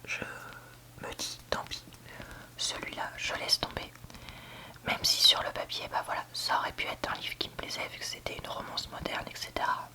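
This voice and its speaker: A book reviewer giving a candid, hesitant ASMR review in a soft library whisper, often searching for words. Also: moderate pace. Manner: soft library whisper, almost entirely unvoiced. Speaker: book reviewer, video host.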